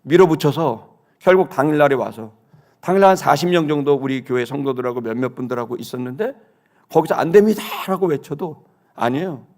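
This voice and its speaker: A man in his fifties preaching a sermon, telling a personal story with indignation, swinging between hushed and loud. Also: medium pitch, fairly quick. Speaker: pastor. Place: church sanctuary.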